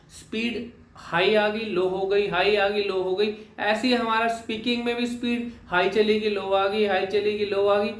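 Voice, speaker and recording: Young male speech coach, high-pitched, explains step by step with repeated phrases; echoey room. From Haryana, India. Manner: mixes English terms into Hindi, repeats phrases for emphasis. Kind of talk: explanatory lesson talk.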